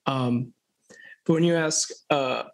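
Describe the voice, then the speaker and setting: Young man, unhurried, halting, thoughtful, casual interview chat. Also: medium pitch, gravelly, poor audio. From Thailand. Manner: slow, hesitant, thoughtful, many restarts. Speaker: podcast guest.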